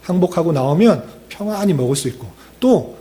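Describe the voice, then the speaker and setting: A man's voice: a little high, animated, brisk, dark tone, close to an everyday voice. A male preacher voicing a mocking, boastful enemy commander in a scornful, taunting tone.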